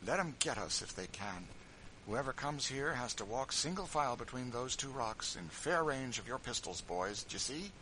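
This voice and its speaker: A man's voice: mid-range voice, lively intonation, moderate pace, sharp tone, a little hiss or hum, voice pushed up, poor audio. A man reading an audiobook, voicing an easygoing, wry Quaker frontiersman with folksy plain speech.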